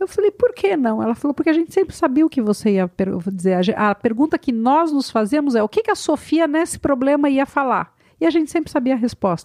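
A woman's high-pitched voice at a very fast pace, with very wide pitch swings, very even loudness, and a dry, close sound with no echo. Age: 50s. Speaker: entrepreneur and psychologist. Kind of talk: storytelling on stage and interview.

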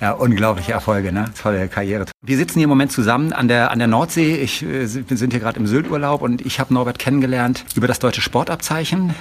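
Over noticeable background noise, a man at a medium pitch talks at a very fast pace with hardly any pauses and ordinary pitch variation. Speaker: physician and podcast host. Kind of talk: casual interview. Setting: outdoors on a beach.

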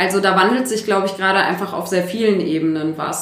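Audible room echo and noticeable background noise fill the recording. A woman with a medium pitch speaks at a fairly quick pace. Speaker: organisational development facilitator. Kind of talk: casual chat.

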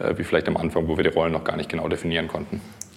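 A man speaks over noticeable background noise. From southwestern Germany, Baden near Freiburg. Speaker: startup founder and CEO. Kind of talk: interview.

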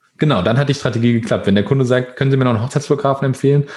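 Words come from this man at a very fast pace. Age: 20s. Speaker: photographer and filmmaker. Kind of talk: interview. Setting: video call.

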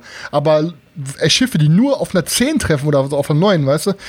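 A man speaks fairly quickly with lively intonation while noticeable noise sounds in the background. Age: 30s. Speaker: board game podcast co-host. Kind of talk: casual chat.

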